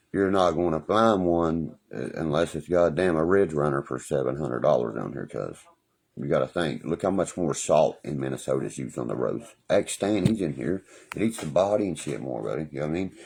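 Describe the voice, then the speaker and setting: Speaking at a fairly quick pace with an American accent, a man uses a very deep, low pitch and vocal fry. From New Jersey. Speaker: livestreamer. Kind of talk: casual chat. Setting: livestream. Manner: animated.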